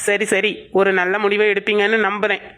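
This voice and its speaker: A woman voicing an outspoken but respectful young woman who talks in a rapid, insistent way. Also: medium pitch, monotone, natural voice. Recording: soft music underneath.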